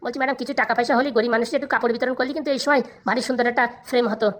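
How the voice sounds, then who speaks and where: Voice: mid-range voice, steady tone, rapid-fire, a bit bright, close to an everyday voice. A performer voicing a crafty, fawning lawyer in a comedy cartoon, obsequious and reassuring. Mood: scheming. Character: fawning, crafty lawyer advising his madam.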